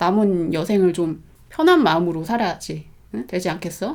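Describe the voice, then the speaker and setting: A woman talks at a moderate pace with an unremarkable speaking voice. The recording is very clean, with a silent background. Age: 40s. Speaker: mind-study channel host. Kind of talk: casual conversation with her mother.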